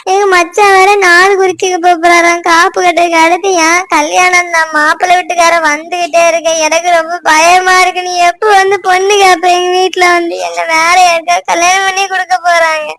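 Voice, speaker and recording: A woman plays a worried young village girl in a cartoon, speaking with a Tirunelveli Tamil accent. Her voice is very high and pleading, and the recording is close and dry. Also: flat delivery, a little fast, few pauses, a bit bright, dry recording. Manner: pleading, emotional.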